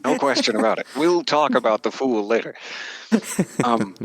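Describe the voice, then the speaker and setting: A man's voice: medium pitch, normal speed, rough recording. A man chatting casually as a voice actor guest on a podcast, with wordy, playfully dramatic phrasing. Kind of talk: casual podcast conversation about audio drama work.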